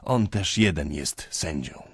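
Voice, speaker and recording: A man performs a drunken, aging clerk, pouring out his shame in a low, dragging, wavering voice. He pleads and preaches by turns, pitiful and tearful. The audiobook recording is dry and close. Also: expressive, slow, breathy edge, no room sound, heavily acted. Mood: anguished. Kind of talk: audiobook reading.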